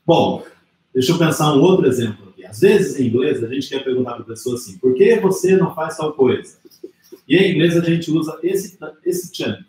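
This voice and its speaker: A man's voice: a little high, expressive, a little mellow, roomy sound, poor audio. Brazilian man teaching English pronunciation. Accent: Brazilian Portuguese. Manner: explains in Portuguese, slows down to model English phrases. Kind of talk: live online English lesson.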